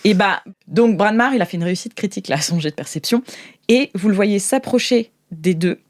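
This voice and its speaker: Woman, game master, improvised tabletop storytelling, informal, theatrical delivery, medium pitch. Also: lively intonation, fairly quick.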